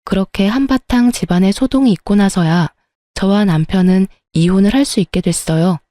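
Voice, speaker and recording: Brief: calm woman storyteller, mellow and dry. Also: medium pitch, normal speed, dry recording. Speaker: narrator. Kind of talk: storytelling narration.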